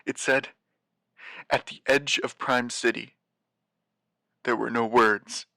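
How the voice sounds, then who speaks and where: A haunted postmaster leaving a grave message in an audio drama. His mid-pitched voice is weary and halting, often searching for the right word. The sound is very dry. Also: fairly even intonation, vocal fry, sharp tone, no echo, full character voice. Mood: searching, urgent. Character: weary, haunted male postmaster of a doomed city. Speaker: guest voice actor.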